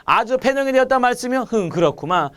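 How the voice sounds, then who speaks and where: A man's voice: extremely high pitch, animated, fast talker, fairly bright tone. A man reading aloud the lines of a weary, displaced man from a novel, in Gyeongsang dialect.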